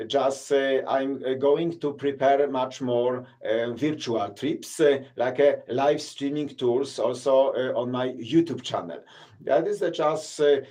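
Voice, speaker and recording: Brief: Polish male guide, mid-pitched voice, chatty live-stream host, non-native English, hesitant with lots of fillers. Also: warm tone. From Poland. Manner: halting, many fillers and restarts, non-native grammar. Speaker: city tour guide and vlogger. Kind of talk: casual live-stream chat with viewers.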